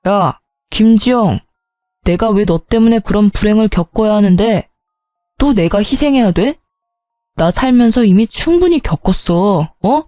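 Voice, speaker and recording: A woman's voice: medium pitch, expressive, a little slow, dark tone, no room sound, faint music behind, close to an everyday voice. A woman voicing a frustrated grown eldest son in an audio story, pleading and exasperated. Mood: angry. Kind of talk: storybook narration.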